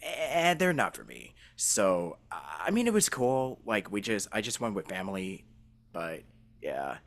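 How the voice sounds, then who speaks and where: A man's voice: low-pitched, wildly swooping pitch, unhurried, a bit bright. A man in a casual chat who rambles, restarts his thoughts and laughs easily. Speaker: voice actor and show host.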